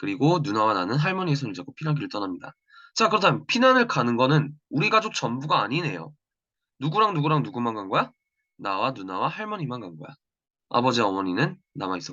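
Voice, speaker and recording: A man's very fast speech at a fairly high pitch, with very wide pitch swings, big jumps in loudness, and long, frequent pauses. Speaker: school literature teacher. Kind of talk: lecture. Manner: slightly slurred pronunciation.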